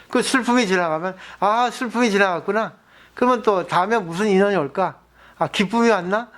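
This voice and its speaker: High-voiced monk giving a patient dharma talk. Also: male voice, a bit bright. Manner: explains patiently, asks listeners rhetorical questions. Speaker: Buddhist monk.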